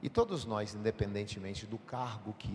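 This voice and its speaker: Somewhat breathy, fairly low male voice at a moderate pace with ordinary pitch variation. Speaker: pastor. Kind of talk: sermon. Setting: church.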